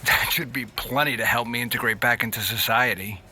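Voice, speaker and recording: A man's voice: medium pitch, brisk, sharp tone, slight background noise. An actor playing a street-wise, guarded hacker in his thirties, fresh out of prison, in an audio drama with a wry delivery. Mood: guarded, dry. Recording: music behind the voice.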